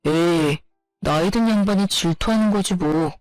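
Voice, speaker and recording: Brief: an offhand, dismissive husband, as a woman puts him on with a lowered voice, faint music underneath. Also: moderate pace, darkish tone, no echo, natural voice, poor audio. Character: selfish, dismissive young husband. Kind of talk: storytelling narration.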